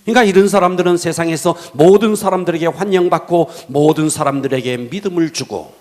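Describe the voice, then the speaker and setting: A man's voice: fairly high pitch, fairly quick. A male pastor preaching a sermon, telling illustrative stories and letting his sentence ends fall to a whisper. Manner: animated delivery, drops to a whisper at sentence ends; tells illustrative stories to the congregation.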